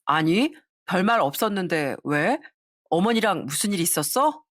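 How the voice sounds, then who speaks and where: A woman's voice: lowish voice, sing-song, moderate pace, fairly bright tone, no echo, clean studio sound. A woman voicing a husband who holds his anger in and speaks curtly. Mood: restrained. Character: angry husband holding back.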